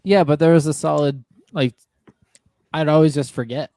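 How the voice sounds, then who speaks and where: A man's voice: on the high side, fairly even intonation, normal speed, mellow, a little hiss or hum. A young man from New Hampshire co-hosting a casual podcast, easygoing and chuckling as he talks. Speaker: podcast co-host. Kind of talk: casual chat.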